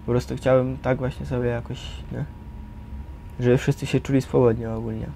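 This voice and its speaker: A young man recalling his experiences casually and haltingly, in slangy speech peppered with tag questions. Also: medium pitch, vocal fry. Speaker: resident of a youth correctional centre. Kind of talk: casual personal recollection. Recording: some steady background noise.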